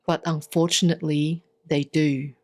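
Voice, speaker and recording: A woman giving a solemn, scripted reading of scripture in measured, deliberate phrases with frequent pauses. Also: sits low, level tone. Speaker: sutra reader, Buddhist nun.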